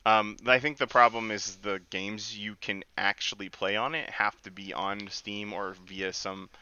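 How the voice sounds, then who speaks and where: A man's voice: lowish voice, flat delivery, unhurried, pushed and bright, clear, resonant tone, muffled recording. A man co-hosting a casual group podcast, talking in a rambling way with many restarts. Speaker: podcast co-host.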